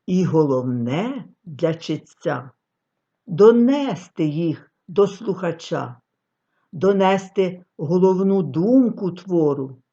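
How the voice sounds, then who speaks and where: Slow, lively-voiced woman teaching declamation. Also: on the low side. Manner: expressive declamatory delivery with long pauses. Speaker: reading teacher. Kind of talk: scripted lecture on artistic reading. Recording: dull lo-fi recording.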